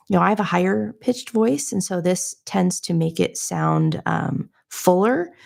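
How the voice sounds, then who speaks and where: A soft-spoken woman in her home studio, explaining her audio setup in a conversational, explanatory way. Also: fairly low pitch, vocal fry. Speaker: audio gear reviewer. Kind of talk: livestream gear demo. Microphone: changing between studio mics.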